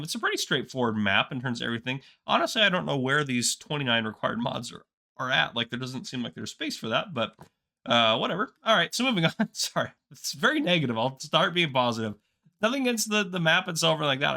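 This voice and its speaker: Congested man with a bright voice. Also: mid-range voice, gravelly. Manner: chatty and easygoing, rambling asides. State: sore throat. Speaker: gaming channel host. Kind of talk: casual game map tour commentary.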